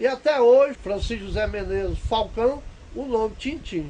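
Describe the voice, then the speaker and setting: A man is speaking. His pitch is extremely high. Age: 70s. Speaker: local elder recounting town history. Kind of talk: interview testimony.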